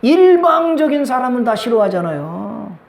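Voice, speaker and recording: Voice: mid-range voice, big pitch swings, moderate pace, gravelly. A pastor delivering a Sunday sermon, putting rhetorical questions to the congregation and acting out everyday quotes. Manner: acts out everyday quotes in changing voices. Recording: echoey church room.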